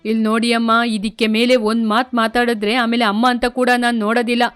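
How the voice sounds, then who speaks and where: A woman voicing a rude, domineering grown son who talks back curtly in a lowered voice. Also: fairly even intonation, moderate pace, smooth, faint music behind, close to an everyday voice. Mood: defiant. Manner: curt, defiant, lowered voice.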